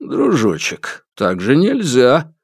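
A calm old man in his sixties, voiced by a male narrator, speaks slowly and evenly, with dry, gentle irony. His voice stays mid-pitched and unhurried. The recording is close and dry. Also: no echo. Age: 60s. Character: calm, wry old man around sixty.

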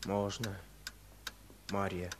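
An actor playing a stern village man who refuses, then softens and consoles, in an archival radio drama. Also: sits low, monotone, very slow. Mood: firm. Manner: curt, gruffly consoling. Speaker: Kuzma. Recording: noisy old radio recording.

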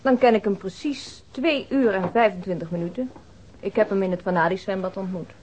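An actress playing a pert, unabashed young university student in a radio drama, prim and cheeky. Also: female voice, mid-range voice, brisk, darkish tone, lightly acted. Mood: pert, indignant. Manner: prim, cheeky, matter-of-fact. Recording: muffled, noisy old radio drama recording.

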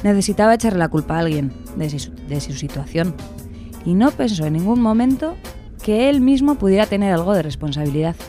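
A woman playing a calm passenger who tells a cautionary tale in a measured storytelling style in a radio play. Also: mid-range voice, faint music behind, close to an everyday voice. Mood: calm narrating.

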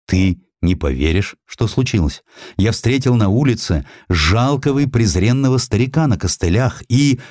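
A man performs an aging, passionate scholar in a dramatised audiobook. His delivery is emphatic and stubborn, with very animated intonation on a lowish voice. The sound is dry and intimate. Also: moderate pace, no room sound. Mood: agitated, haunted.

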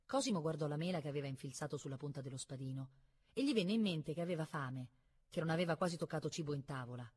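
A woman reading a novel aloud in a calm, measured narrating voice. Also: sits low, slightly rough. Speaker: reader.

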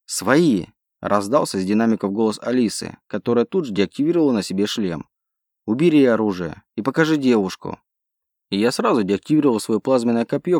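A man reads a first-person audiobook in a steady, measured way. His voice is mid-pitched. The recording is dry and close, with no room sound. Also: no echo. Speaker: audiobook narrator. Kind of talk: scripted narration of a sci-fi novel.

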